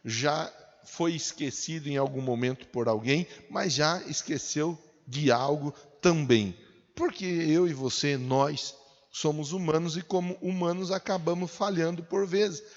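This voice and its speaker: High-voiced preacher in an echoing hall. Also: male voice, a little slow. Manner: preacher building to loud emphatic declarations, repeating refrains. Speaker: pastor. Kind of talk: sermon. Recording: dull lo-fi sound with long hall reverb.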